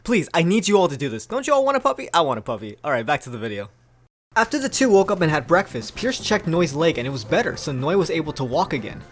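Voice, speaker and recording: Animated young man reading a story aloud. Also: a little high, fast. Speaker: video host reading fan fiction aloud. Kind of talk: casual storybook reading with chatty commentary.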